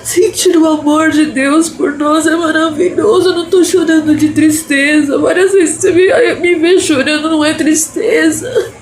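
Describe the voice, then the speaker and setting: A woman's voice: high voice, steady tone, moderate pace. A woman speaking in a tearful, emotional devotional vlog, laughing through tears and repeating her phrases. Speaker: artist sharing her faith. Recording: roomy echo with faint background noise.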